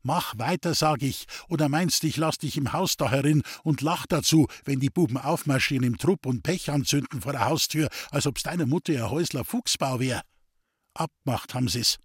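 A man voicing a hot-tempered young farmer's son who talks in Bavarian dialect, urgent and hoarse as he barks orders. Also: on the high side, animated, normal speed, dry recording, studio quality, voice pushed up. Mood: commanding. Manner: urgent, commanding, hoarse shouting.

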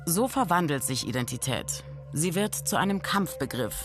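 A woman narrating a scripted documentary in a calm, even read-out delivery. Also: sits low, normal speed, over music.

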